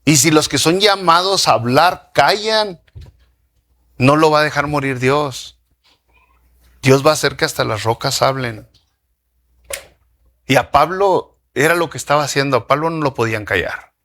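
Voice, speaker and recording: A man preaching a sermon as pastor, lively, asking the congregation questions and dropping in slang. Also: fairly high pitch, normal speed, pauses often.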